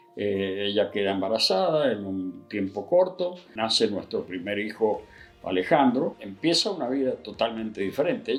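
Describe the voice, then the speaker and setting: Music plays in the background. A man with a fairly low voice speaks with lively intonation. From Argentina, Mendoza. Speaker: retired basketball referee and sports administrator. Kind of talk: autobiographical storytelling. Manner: halting, with fillers.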